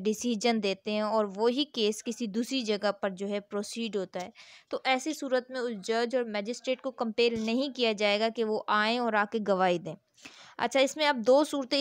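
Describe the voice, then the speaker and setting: A woman's voice: on the high side, dry recording, clean studio sound. A woman with a South Asian accent giving an explanatory law lesson, reading formal text aloud and rephrasing key points in a didactic way. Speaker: law lecturer.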